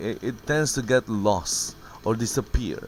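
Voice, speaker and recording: With lively intonation, a man at medium pitch speaks at a fairly slow pace. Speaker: virtual wrestling show commentator. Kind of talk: casual live event commentary. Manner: rambling, hesitant.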